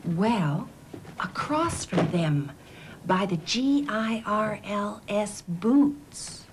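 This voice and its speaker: A woman playing a secretive mother in a children's TV sketch, speaking in a hushed, deliberate way. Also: medium pitch, lively intonation. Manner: hushed, deliberate, spells words letter by letter. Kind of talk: scripted children's educational TV sketch. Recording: noisy vintage 1970s TV soundtrack.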